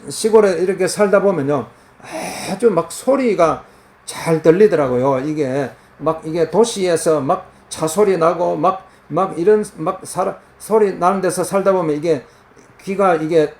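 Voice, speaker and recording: A man's voice: sits high, a little slow, darkish tone. A man preaching a fervent, earnest sermon in the countryside. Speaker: pastor. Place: countryside, crickets and cicadas heard outside.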